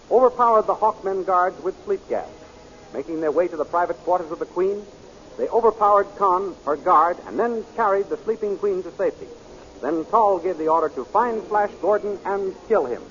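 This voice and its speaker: Vintage serial announcer, man, high formal dramatic voice with music behind, dull old radio sound. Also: slight background noise. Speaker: announcer and narrator. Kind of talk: scripted 1930s radio serial narration. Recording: muffled 1930s radio recording.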